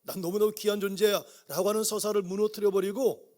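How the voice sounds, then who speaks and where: Middle-aged male pastor, high-pitched, chatty sermon delivery, often asks the pews questions. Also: steady tone, quick pace, a little mellow. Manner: conversational preaching with questions to the congregation. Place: church sanctuary.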